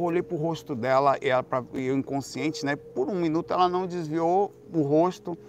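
Speaking with a Brazilian Portuguese accent, a man rambles casually through a long story, cursing freely and shifting between hushed and loud delivery. His voice is slightly high, and there's a bit of hiss or hum in the background.

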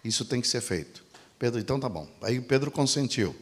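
A man preaches a sermon in an expressive, slightly fast voice, asking the congregation rhetorical questions and answering them himself. He acts out quoted dialogue, shifting his pitch and pace.

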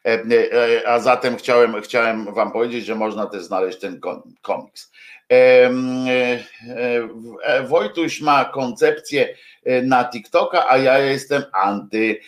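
Guy running a live stream, talks real slow, mid pitch, lots of ums and restarts, jokey rambling. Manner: hesitant, many filler sounds and restarts; jokey, chatty asides. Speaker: livestream host. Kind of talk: casual rambling chat to viewers.

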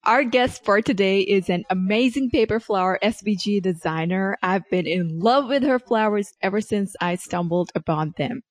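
A woman's voice: medium pitch, moderate pace, few pauses, no room sound. A woman hosting a podcast who reads an upbeat intro and asks interview questions. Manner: upbeat, enthusiastic. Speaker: podcast host.

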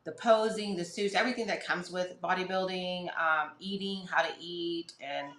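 Middle-aged woman, podcast guest, chatty and rambling, low voice, echoey room. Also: steady tone, moderate pace, a bit bright. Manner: chatty, many fillers and restarts. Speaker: podcast guest, fitness competitor. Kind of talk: casual storytelling interview.

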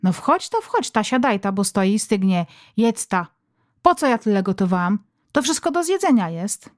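A woman's voice: mid-range voice, sing-song, moderate pace, dry recording, studio quality, lightly acted. A woman voicing a domineering, foul-mouthed middle-aged country mother who scolds her family in rural dialect. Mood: grumbling.

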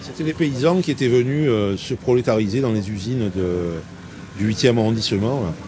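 A man's voice: mid-range voice, a little fast. An older man from Marseille with a light Marseille accent, rambling in a playfully grandiloquent way while chatting outdoors. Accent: Marseille French, lightly mixed. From Marseille, France. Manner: mock-learned, playfully grandiloquent. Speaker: interviewee passer-by. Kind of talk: rambling philosophical bar chat. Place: outdoors, urban terrace. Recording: outdoor street noise.

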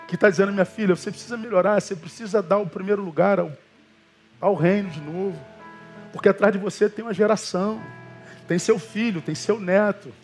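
A man preaching as a pastor, telling stories in a colloquial way and acting out the voices of the people in them. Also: sits high. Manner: animated storytelling with quoted voices; colloquial, addresses listeners as brother. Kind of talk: sermon.

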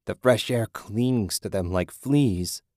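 A man voicing a filthy, blind old woman who croaks and cackles slowly and mockingly. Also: lowish voice, darkish tone, no room sound, clean studio sound.

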